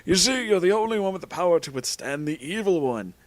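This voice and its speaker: A man voicing an excitable, kindly old wizard headmaster for a comic story reading, in a theatrical, declaiming manner. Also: high-pitched, a little hiss or hum, pitched above the performer's own voice. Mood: hearty, grave. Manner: theatrical, declaiming, drawn-out exclamations.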